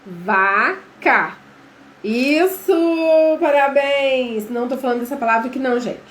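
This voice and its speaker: A woman's voice: high-pitched, steady tone, normal speed. A Brazilian woman teaching a live online class, chatty and quizzing her viewers. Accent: Brazilian Portuguese. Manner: chatty, addresses viewers as gente, quizzes them. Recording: echoey room with faint background noise.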